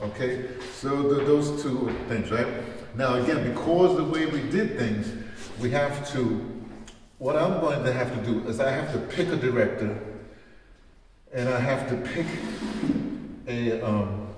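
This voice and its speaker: A man's voice: medium pitch, a little mellow. A middle-aged man giving an informal workshop talk, explaining things in a colloquial, rambling way. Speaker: workshop leader, producer. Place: large bare classroom, indoors. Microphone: camera a few metres away. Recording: very echoey bare room, distant phone mic, faint noise.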